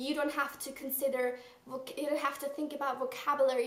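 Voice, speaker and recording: A woman with a German accent speaks at a fairly quick pace, her pitch high. Audible room echo surrounds her voice. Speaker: video blogger. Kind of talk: casual advice talk to camera. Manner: casual, with many fillers.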